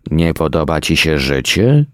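A man voicing a second big grey talking dog that mutters curtly in a low voice. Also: sing-song, measured pace, fairly bright tone, no echo, clean studio sound, exaggerated voice.

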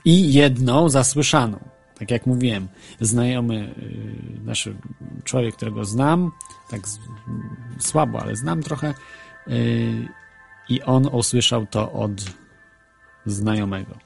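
A man hosts an internet radio show of casual talk and ghost stories over a faint music bed. His medium-pitched voice is creaky, and he takes it slowly, pausing often, hesitating, and using frequent fillers and restarts.

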